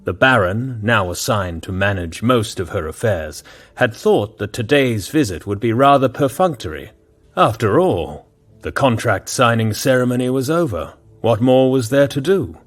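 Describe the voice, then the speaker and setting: A man narrating an audio drama in a measured storytelling manner. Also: medium pitch, expressive, faint music behind.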